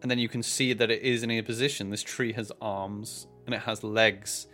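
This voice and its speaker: A man working as game master, improvising descriptive narration for a tabletop game with hesitant pauses mid-phrase. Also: on the low side, steady tone, bright, forceful tone, soft background music.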